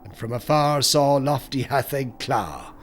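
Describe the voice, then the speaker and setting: A man's voice: mid-range voice, measured pace, slight background noise. A man narrating a scripted horror audiobook in a solemn, theatrical storytelling manner.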